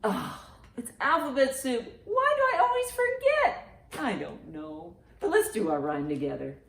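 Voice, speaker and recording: Lady doing kids storytime, slow and sing-songy, really animated, encouraging, bit echoey. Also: fairly high pitch, vocal fry, a little hiss or hum. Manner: animated, encouraging, sing-song delivery for small children. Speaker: library storytime host. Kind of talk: children's storytime with songs, rhymes and picture-book reading. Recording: roomy, echoey indoor sound.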